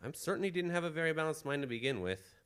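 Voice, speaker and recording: A man playing an earnest, protective gentleman hero in an old-time radio drama style. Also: fairly high pitch, expressive, fast talker, clean tone. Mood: grave explaining.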